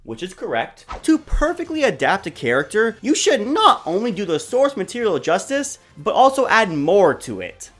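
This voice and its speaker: A young adult woman hosting a video essay, narrating her opinions in a casual, slangy, emphatic way with mild swearing and dry asides. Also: mid-range voice. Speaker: host of a video essay channel. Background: background music.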